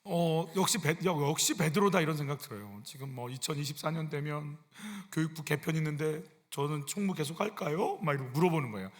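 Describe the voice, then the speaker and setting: A senior pastor with a slightly high voice talks fast and rarely pauses as he preaches a sermon in a church sanctuary. Conversational in style, he peppers the congregation with rhetorical questions, all under a long hall reverb.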